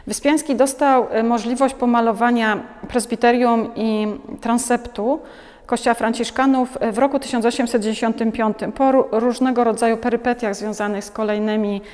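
A woman's voice: fairly high pitch, fairly even intonation, moderate pace, a little mellow, long reverb tail. A woman in her forties, a museum curator, giving an unscripted gallery talk with frequent hesitations and restarts, recorded on a lapel mic. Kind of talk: gallery talk about artworks. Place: large museum gallery, indoors.

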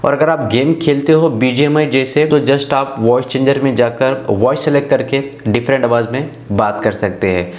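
A man's voice: mid-range voice, moderate pace, hardly any pauses, a little mellow. Male Indian tech presenter, scripted tutorial narration, echoing room recording. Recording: roomy echoing voice-over.

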